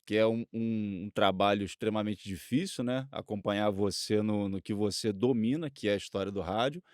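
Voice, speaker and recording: A man's voice: lowish voice, normal speed, darkish tone, no room sound, studio quality. A Brazilian man co-hosting in casual conversation, speaking in a modest, hesitant, deferential way. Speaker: stand-in co-host.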